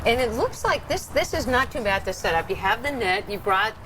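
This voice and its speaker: A woman's voice: a little high, sing-song, brisk, background noise. A woman hosting an upbeat live TV interview, chatty and encouraging with her guests. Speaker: TV lifestyle show host. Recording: music playing behind the voice. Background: background music.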